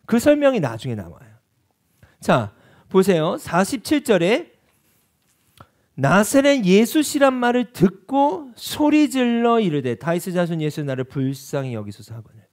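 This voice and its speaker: Animated high-pitched Korean pastor preaching. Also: male voice. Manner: animated preaching with rhetorical questions to the congregation. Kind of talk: sermon. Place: church.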